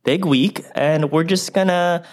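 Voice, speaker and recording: A man's voice: a little high, a little slow. A man co-hosting a casual podcast, chatty and upbeat as he leads the conversation. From raised in a Korean immigrant family. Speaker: podcast co-host. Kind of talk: casual chat.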